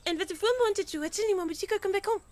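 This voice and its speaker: A woman's voice: very high voice, racing. A woman playing a chatty, earnest young princess in a fiction podcast, rambling emphatically and stammering as she coaxes. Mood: gentle, insistent.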